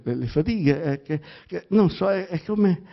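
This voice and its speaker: A man with a Romagna accent reading a theatrical monologue aloud, halting and stammering, full of repetitions and fillers. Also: high-pitched, lively intonation, vocal fry. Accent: Romagna Italian. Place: public library reading event. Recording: dull lo-fi recording.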